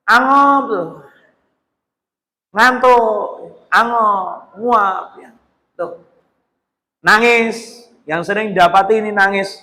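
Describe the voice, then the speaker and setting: A male Islamic preacher, giving a casual, animated sermon to a women's study group. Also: high voice. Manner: casual preaching, mixing Javanese words, animated. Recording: echoey hall reverb.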